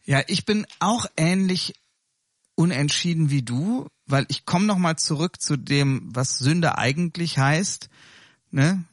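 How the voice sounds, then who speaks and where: A man moderating a casual discussion, relaxed, chatty and self-deprecating. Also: fairly high pitch, slow, no room sound, clean studio sound. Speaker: podcast host and moderator.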